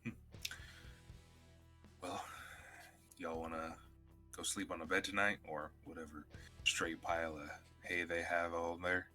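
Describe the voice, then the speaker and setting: A man's voice: sits low, little pitch movement, measured pace, pauses often, pushed and bright, soft background music. A man playing a tabletop role-playing game, talking casually in character with folksy phrasing.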